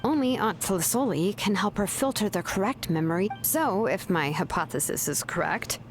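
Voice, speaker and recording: An actress playing a composed, frank young female expert in a video game, explaining in a measured, matter-of-fact way. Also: mid-range voice, animated, lightly acted. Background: clear music.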